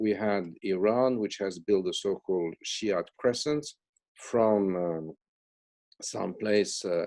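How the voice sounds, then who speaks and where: A man with a French accent and a fairly low, dark, mellow voice at a very slow pace. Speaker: Middle East scholar, professor. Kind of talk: virtual panel discussion. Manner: hesitant, many filler words.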